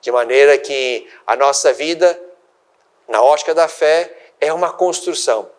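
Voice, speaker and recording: Slow, measured older Brazilian bishop. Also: male voice, a little high. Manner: slow, deliberate, measured phrasing. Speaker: bishop hosting a religious program. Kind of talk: sermon-like reflection.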